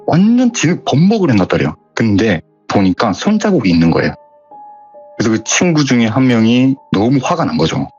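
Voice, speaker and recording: A man's voice: mid-range voice, brisk, breathy edge, highs cut off, faint music behind. Chatty man retelling a horror story. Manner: chatty, animated retelling with dramatic emphasis.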